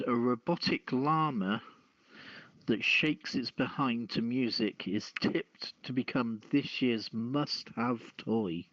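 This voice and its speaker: A man hosting a news podcast, reading stories and adding casual asides in a halting delivery. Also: mid-range voice, fairly bright tone, no room sound. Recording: dull lo-fi audio.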